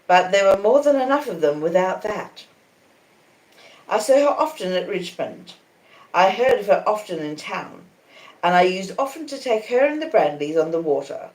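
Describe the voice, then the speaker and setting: An echoing, roomy recording carries an Australian woman's fairly low voice as she narrates a classic novel. Her delivery is dramatic and deliberate, with emphatic pauses and expressive phrasing. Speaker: audiobook reader on a live stream. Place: conservatory in a small cottage. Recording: roomy, echoing conservatory sound.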